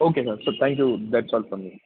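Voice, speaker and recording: A man's voice: medium pitch, fast, breathy edge. A man with an Indian accent, an analyst calling in to an earnings call with hesitant, deferential questions. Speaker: analyst caller. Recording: muffled narrow phone line.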